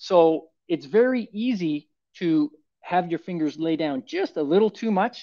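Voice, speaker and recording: The man talks in a high voice, and the background is quiet. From Canada. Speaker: guitar teacher. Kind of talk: casual interview chat with lesson explanation. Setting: live stream. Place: home room. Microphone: video call.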